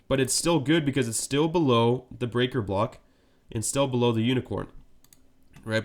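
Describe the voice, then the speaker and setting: Congested man calling live trades. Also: mid-range voice. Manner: steady explanatory, frequent "right?" check-ins. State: congested with a cold. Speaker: live trading streamer. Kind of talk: live market commentary.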